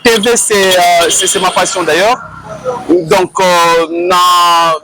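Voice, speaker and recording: A man's voice: sits high, fairly even intonation, slow pace, noisy background. A man from Congo with a Congolese French accent, a journalist talking as a guest, confident but with many hesitant fillers. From Democratic Republic of the Congo. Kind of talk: casual interview talk.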